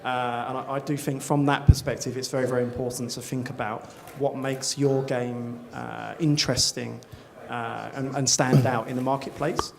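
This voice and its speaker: A man's voice: mid-range voice, flat delivery, normal speed, vocal fry, noisy background. A man speaking on a conference panel, rambling with lots of filler sounds. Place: conference stage.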